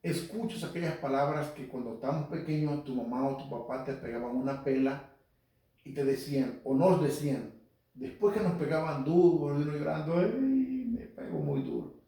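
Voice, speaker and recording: Speaking brisk, mellow Spanish with a fairly high pitch, this man is a lay Catholic preacher teaching the Bible. He cites scripture and calls on members of the congregation by name. The sound comes from far away in a heavily reverberant hall.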